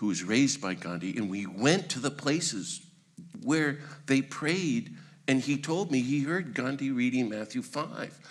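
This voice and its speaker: With an American accent, a man talks at a fairly slow pace in a fairly high pitch, with vocal fry. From Washington DC. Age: 60s. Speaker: priest and peace activist. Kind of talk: interview. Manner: loud; animated.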